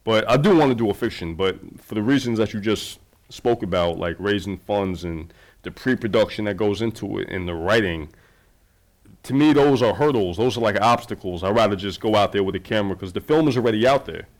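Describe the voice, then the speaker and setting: Male filmmaker guest, somewhat low voice, easygoing rambling delivery. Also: fairly quick. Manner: loose, rambling, fillers and restarts. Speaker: documentary filmmaker. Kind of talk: casual conversation.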